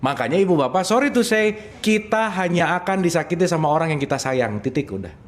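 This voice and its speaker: A man leads a casual religious study session. His voice sits high for a man and leaps about with animated swings in pitch. He teases and keeps checking in with his listeners. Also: fairly quick. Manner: playful, lively, asks the audience often. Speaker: religious teacher.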